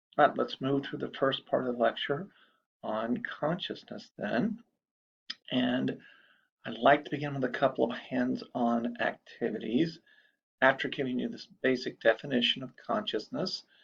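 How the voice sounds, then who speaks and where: A soft-spoken man talks at a moderate pace. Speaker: professor. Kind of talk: lecture. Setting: home at night.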